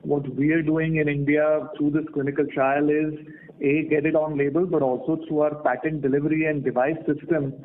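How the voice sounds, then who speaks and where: A man's voice: on the high side, level tone, brisk. A male company executive explaining strategy on an earnings call in a methodical way. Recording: noisy narrowband phone line.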